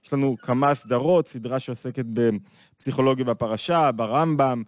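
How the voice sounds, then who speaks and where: A man of medium pitch lectures in a video talk, earnest and steady. He works through rhetorical questions and presses his points with rising emphasis. The sound is dry, with little room echo. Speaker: lecturer on Jewish psychology.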